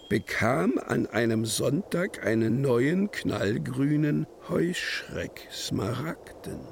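An actor playing an imprisoned poet in a radio play, reciting solemnly with weighty pauses and a creaky voice. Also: male voice, medium pitch, noisy background. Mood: solemn, defiant. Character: imprisoned male poet, brooding, defiant, incantatory. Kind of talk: German literary radio play, dramatic poetic recitation.

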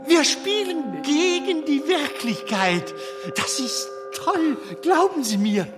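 A man's voice: very high voice, big pitch swings, takes it slowly, heavily acted. A man playing a playful, eager comedian in a theatrical audio drama, coaxing and teasing his companion. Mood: playful, enthusiastic. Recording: long reverberant hall, music behind.

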